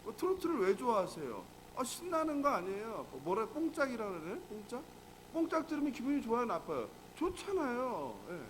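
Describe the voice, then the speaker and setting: A man's voice: very high-pitched, big pitch swings, a little fast, fairly bright tone, a little hiss or hum, rough recording. A male pastor giving an early morning prayer sermon, talking conversationally and asking the congregation rhetorical questions.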